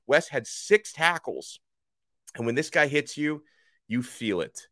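A man hosting a college football podcast, slightly hoarse, talking with emphatic energy that rises toward near shouts. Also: a little high, big pitch swings, slow, no echo, studio quality. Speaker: sports podcast host. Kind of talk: college football talk with ad read. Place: radio studio.

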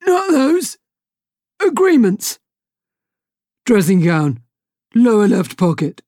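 A woman's voice: mid-range voice, wildly swooping pitch, slow, dark tone, dry recording, studio quality, voice pushed up, exaggerated voice. A woman voicing a pompous, bullying male pirate captain in a storybook reading, commanding and haughty. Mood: desperate. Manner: haughty and commanding, turns to pleading when scared.

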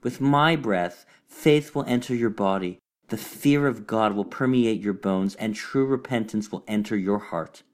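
A man's voice: fairly low pitch, measured pace, few pauses, a little mellow, lightly acted. A man voicing a sanctimonious, hypocritical white female cat in a storybook reading, talking in a sweetly preachy, cooing way.

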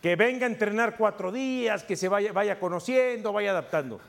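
A man giving his view as a sports pundit, halting and restarting as he gets animated. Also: sits high, creaky. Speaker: pundit, former coach. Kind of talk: sports debate.

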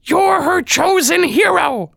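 Man doing a bossy fierce woman in fantasy audiobook, really high creaky voice, urgent, telling someone off. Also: measured pace, sharp tone, exaggerated voice. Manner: urgent, demanding. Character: fierce, scolding woman urging on a reluctant knight.

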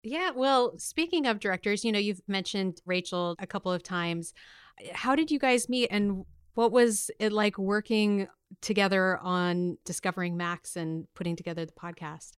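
Female podcast host, crisp resonant voice in a close dry recording, upbeat chatty delivery. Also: medium pitch, moderate pace, dry recording. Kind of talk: upbeat conversational podcast hosting.

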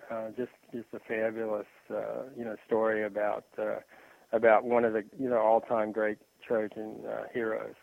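A man talking sports on a radio show, halting and full of fillers and restarts. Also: lowish voice, creaky, no echo. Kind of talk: rambling sports talk on phone. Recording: tinny phone line.

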